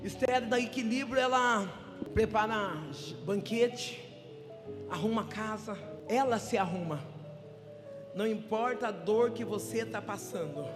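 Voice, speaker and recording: A woman pastor with a Brazilian Portuguese accent preaching a sermon, building up to shouted, fervent calls and speaking in tongues, recorded live in a church. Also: a little high, a little slow. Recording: live church reverb with music. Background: music.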